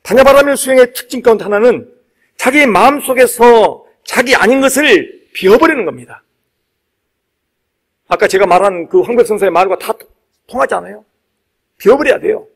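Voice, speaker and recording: A man with a notably high voice gives a Buddhist sermon as a monk. He stresses key phrases by repeating them and slips into conversational asides, checking that his listeners follow. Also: expressive, normal speed, vocal fry, long pauses, husky. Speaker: Buddhist monk giving a dharma talk.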